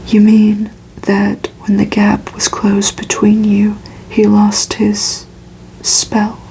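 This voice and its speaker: A woman softly whispering a novel aloud in a breathy, hushed, measured ASMR storytelling style. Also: medium pitch, completely flat delivery, a little hiss or hum, rough recording. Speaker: ASMR reader. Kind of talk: whispered ASMR audiobook reading of a gothic novel.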